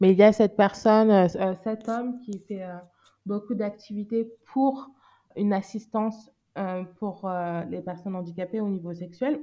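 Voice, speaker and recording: Her dark, mellow tone sits at a medium pitch as this woman speaks at a fairly slow pace with ordinary pitch variation. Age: 20s. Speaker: doctoral researcher. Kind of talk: casual chat.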